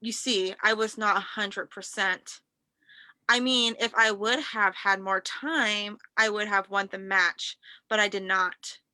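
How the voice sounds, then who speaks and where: Woman playing an arrogant, sharp-voiced wrestling prince. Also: medium pitch, steady tone, no room sound. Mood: smug, mocking. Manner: haughty, halting taunts. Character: arrogant royal wrestler prince, smug and scornful. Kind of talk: staged reading of wrestling promos.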